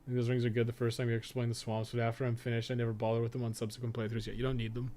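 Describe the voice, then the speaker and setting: A man's voice: medium pitch, monotone, very fast, warm tone, slight background noise. A man giving casual, rambling, sweary gameplay commentary as a streamer. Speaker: game streamer and podcast co-host.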